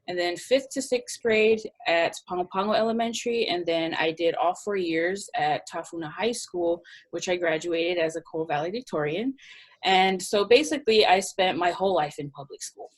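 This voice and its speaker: A young woman from American Samoa answering interview questions about her schooling and research in a careful, detailed way, sometimes correcting herself. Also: fairly low pitch. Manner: earnest, detailed, self-correcting. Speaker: interviewee, graduate student.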